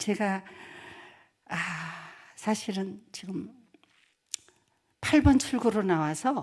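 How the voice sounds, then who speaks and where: Speaking very slowly with long, frequent pauses, a woman uses lively intonation. Her pitch sits at a medium level. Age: 80s+. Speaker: church elder giving testimony. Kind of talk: testimony. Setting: church.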